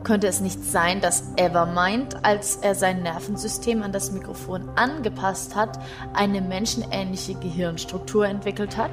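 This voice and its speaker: A woman playing an inquisitive, serious psychologist in a science fiction audio drama, speaking in a deliberate, probing way. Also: mid-range voice, fairly even intonation, music in the background, lightly acted.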